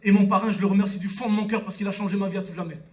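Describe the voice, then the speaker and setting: A man's voice: high voice, fairly even intonation, very fast, lo-fi sound, heavy background noise. A man in his early twenties giving a motivational stage talk, addressing the audience directly and often checking in with them. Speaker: motivational speaker at a network marketing conference. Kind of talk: motivational stage speech with personal anecdotes. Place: on stage in a conference hall. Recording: live stage talk, distant from mic.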